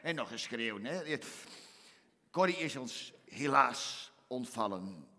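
A man's voice: medium pitch, expressive, slow pace, sharp tone, long reverb tail. A man with a Twents accent performing a mock-solemn, exaggerated comic monologue on a theater stage. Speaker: comedian.

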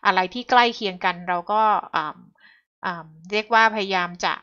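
A woman's voice: mid-range voice, moderate pace, pushed and bright, lo-fi sound. A woman commenting on the news in a talk show, polite at first and growing heated and emphatic.

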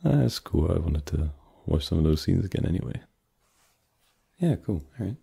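Low, creaky, very dark voice with a breathy husk, a man acting as a laid-back young boyfriend, stumbling through "um"s and "like"s and slipping into playful teasing, ASMR roleplay. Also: sing-song, normal speed, exaggerated voice. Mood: relaxed. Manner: hesitant, filler-heavy, teasing. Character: easygoing young adult boyfriend hosting friends.

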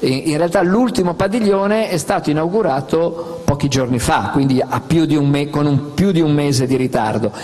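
A middle-aged man presenting his book on a festival stage into a handheld microphone, animated and gesturing, with frequent fillers. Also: fairly high pitch, normal speed, few pauses, long reverb tail. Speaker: author at a book talk. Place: outdoor festival stage with audience.

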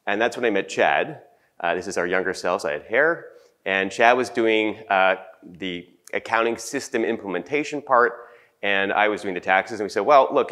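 A middle-aged man from Canada giving a casual conference talk into a handheld mic, chatty and self-deprecating, with a groggy morning voice and throat clearing. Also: lowish voice, fairly bright tone. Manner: chatty, self-deprecating, many fillers and restarts. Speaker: conference speaker. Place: conference room.

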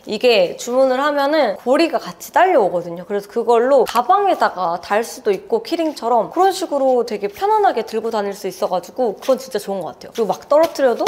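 A woman, chatting casually and expressively to camera as a beauty and fashion vlogger. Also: mid-range voice. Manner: chatty, expressive, uses cute sound words. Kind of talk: casual chat to camera, showing bag contents. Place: indoors, living room at home.

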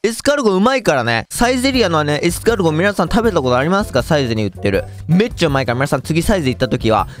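A young man with a lilt, commentating a game in an excitable, joking way. His pitch jumps around a lot and sits a little high. Faint music plays behind him. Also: racing, hardly any pauses. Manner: excitable, jokey, talks to viewers. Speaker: gaming YouTuber.

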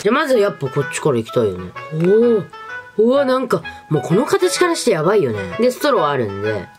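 A woman's voice: on the low side, huge pitch swings, fast. A young adult woman vlogging in a casual, chatty, informal way, talking to the camera in a small room. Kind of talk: casual chat to camera, product review. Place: small furnished room indoors. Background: background music.

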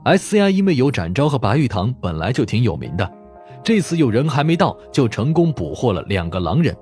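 A man narrates an audiobook in a mid-pitched voice with animated, lively phrasing. His delivery is scripted storytelling, with faint music underneath. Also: a little fast. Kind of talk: scripted narration of a mystery novel.

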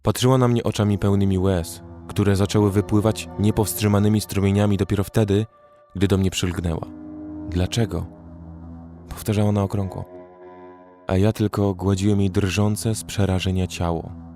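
A man's voice: lowish voice, level tone, normal speed, dark tone. A man giving dramatic first-person scripted narration of a horror story. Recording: faint music behind.

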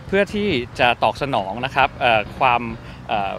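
A middle-aged man speaking as a company representative in an outdoor press interview, measured and full of hesitant fillers. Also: mid-range voice, big pitch swings, fairly bright tone, a little hiss or hum. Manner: measured, many fillers and polite particles. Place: outdoor park at an event. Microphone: press microphones held close.

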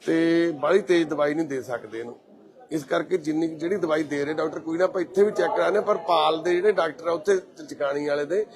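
A man hosts a charity visit in a quick, fairly high voice. He keeps up easy, conversational talk. He soothes people with short, repeated reassurances. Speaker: charity volunteer host. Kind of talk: casual on-camera conversation.

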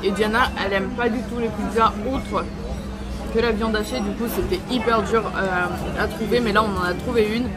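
A woman's voice: medium pitch, fairly even intonation, normal speed, over a noisy crowd. A young woman chatting casually through a travel vlog, with lots of fillers, filmed on a handheld camera. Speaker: vlogger. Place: outdoors and at restaurant terraces.

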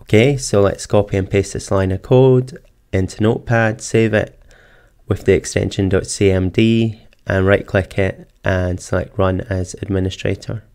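Man, low voice, smooth and clear, methodical tech tutorial voice-over. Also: steady tone, normal speed, darkish tone. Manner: methodical step-by-step explaining. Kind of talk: screen-recorded software walkthrough. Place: voice-over for screen capture.

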